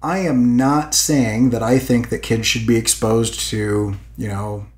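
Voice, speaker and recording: A man in his late thirties talking casually as a vlog host, thinking aloud in a rambling way with hesitant pauses and repeated words. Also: mid-range voice, steady tone. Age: late 30s. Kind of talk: casual unscripted vlog musing.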